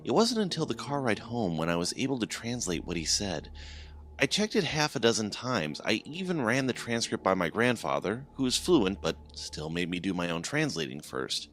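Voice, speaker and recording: A man's voice: lowish voice, big pitch swings, normal speed, fairly bright tone, a little hiss or hum. A man narrating a scripted horror story in a dramatic way, swelling and dropping his voice for suspense.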